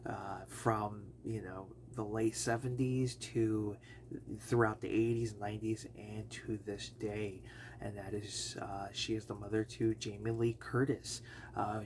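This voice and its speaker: A man gives a casual film review in a slightly raspy voice, worn down by allergies. He talks slowly and in a low register, wandering off with fillers and correcting himself as he goes. A faint hum sits under the recording. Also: a little mellow. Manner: rambling, many fillers and self-corrections.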